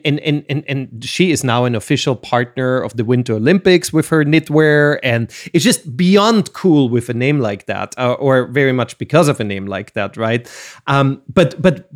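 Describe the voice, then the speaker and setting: Enthusiastic man hosting a podcast. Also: a little high. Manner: enthusiastic, laughs often. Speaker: podcast host. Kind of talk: casual interview hosting.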